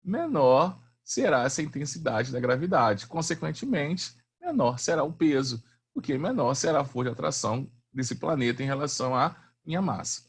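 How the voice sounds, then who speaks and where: A man's voice: fairly high pitch, lively intonation, moderate pace, breathy edge. A man teaching a physics class online in a chatty, slangy way, often asking the students questions.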